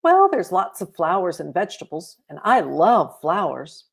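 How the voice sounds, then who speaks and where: A woman's voice: fairly low pitch, very animated, normal speed, creaky, husky, exaggerated voice. A woman voicing an agreeable, bubbly young girl in a storybook, cheerful and full of admiration.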